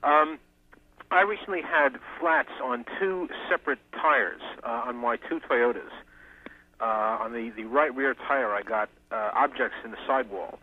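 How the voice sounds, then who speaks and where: A man from Massachusetts calling into a radio show, hesitant, with many pauses and fillers. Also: mid-range voice. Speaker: caller. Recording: tinny phone line.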